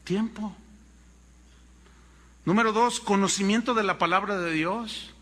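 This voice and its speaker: A pastor with a Mexican accent preaching a sermon, telling stories with animation and calling the congregation brothers. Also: male voice, high voice, normal speed, fairly bright tone, big-room sound.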